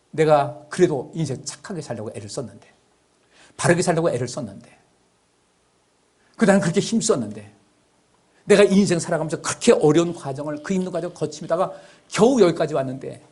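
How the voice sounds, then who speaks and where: Husky, animated Korean pastor preaching. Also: male voice, a little high. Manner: lively preaching, acts out quoted voices, swings between loud and hushed. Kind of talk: sermon. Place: church sanctuary.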